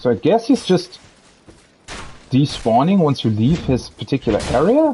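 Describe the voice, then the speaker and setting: A man's fairly high voice makes very wide pitch swings at very even loudness. He speaks at a moderate pace. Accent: German. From Germany. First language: German. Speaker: gaming streamer. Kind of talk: live gameplay commentary. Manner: casual, thinking aloud with hesitations.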